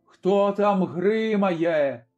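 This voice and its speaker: A man putting on a vicious innkeeper woman who shrieks threats in a coarse, high voice. The storybook reading has a soft, mellow tone and sounds a little dull, with faint music underneath. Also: extremely slow. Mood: furious. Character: furious middle-aged female innkeeper, cruel and shrill.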